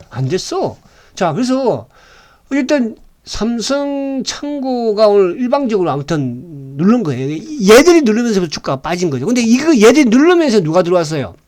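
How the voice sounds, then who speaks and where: In casual stock commentary, a fairly high-voiced man lets his pitch bounce up and down. He drops in blunt slang and keeps asking the audience to agree.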